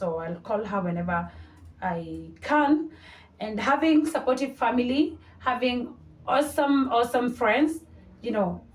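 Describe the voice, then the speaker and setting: A woman in her thirties talks to camera in a chatty way and repeats her points. Her voice sits fairly high. She sounds set back from the mic in a roomy space. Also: far from the mic, a little hiss or hum. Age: 30s. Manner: chatty, repeats phrases, mixes in Swahili. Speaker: vlogger. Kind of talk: casual talk to camera.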